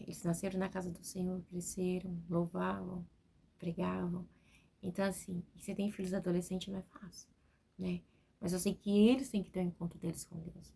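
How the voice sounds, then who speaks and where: Speaking from home, a woman preacher in her forties delivers a spontaneous, talkative testimony sermon, constantly adding "né?". Her voice is fairly low, creaky, and darkish, with a breathy edge.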